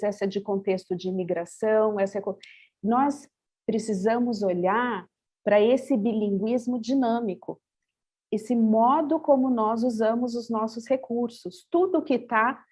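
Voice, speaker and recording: A woman's voice: mid-range voice, mellow. A woman with a Brazilian Portuguese accent answering on a panel, thinking aloud with frequent hesitations and restarts. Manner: thoughtful, many hesitations and restarts. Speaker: panel speaker on bilingual education.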